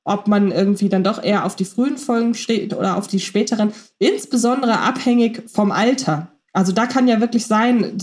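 Female podcast host, relaxed and playful, chatty delivery. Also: medium pitch, a little fast, hardly any pauses. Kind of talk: casual fan podcast chat.

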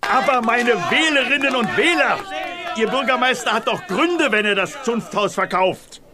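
An actor playing a pompous, self-serving mayor in a children's audio drama, declaiming to the public. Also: male voice, very high-pitched, animated, normal speed. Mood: blustering, commanding. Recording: crowd noise behind the voice.

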